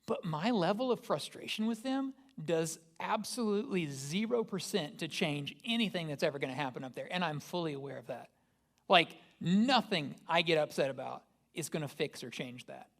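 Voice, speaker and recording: A man's voice: fairly high pitch, lively intonation, moderate pace, a bit bright. A man, a pastor, giving a conversational sermon and asking the congregation rhetorical questions. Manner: casual, asks the listeners rhetorical questions.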